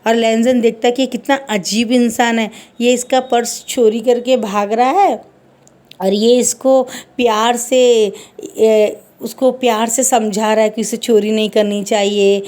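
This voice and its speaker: A woman's voice: fairly high pitch, fairly even intonation, unhurried, a little mellow. A woman telling a romance fan fiction story aloud in a rambling, conversational way.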